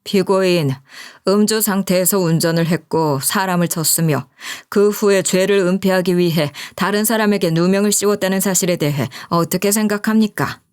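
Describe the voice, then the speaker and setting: A woman voicing a stern judge who speaks gravely and formally. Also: mid-range voice, normal speed, a little mellow, lightly acted.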